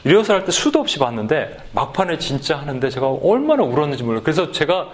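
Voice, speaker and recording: A man preaching a sermon as pastor, telling a story with lively acted-out bits, in a church. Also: on the high side, quick pace. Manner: animated storytelling, acts out voices, then leads sung worship. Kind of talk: sermon with acted skit retelling. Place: church sanctuary.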